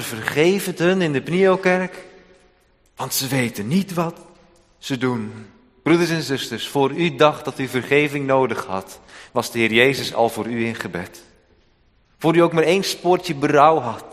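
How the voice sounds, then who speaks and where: Preaching man in a reverberant church. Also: medium pitch. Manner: dramatic swings between hushed and loud emphatic delivery. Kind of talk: sermon. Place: church hall.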